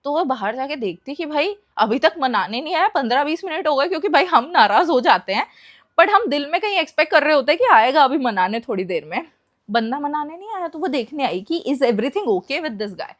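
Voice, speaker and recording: Animated high-voiced woman telling a story. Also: fairly quick. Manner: animated, mixes Hindi and English. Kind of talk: casual storytime narration.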